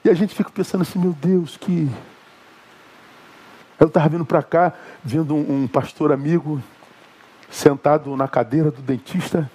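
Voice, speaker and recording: A man's voice: a little high, steady tone, moderate pace, long pauses, mellow, husky. A man with a Brazilian Portuguese accent preaching a sermon as pastor, emphatic, with asides to the congregation.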